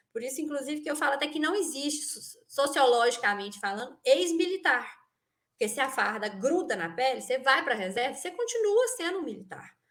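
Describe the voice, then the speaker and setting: A woman with a Minas Gerais accent, high pitch, fairly quick pace and very wide pitch swings. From Minas Gerais, Brazil. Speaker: researcher and professor. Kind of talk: interview.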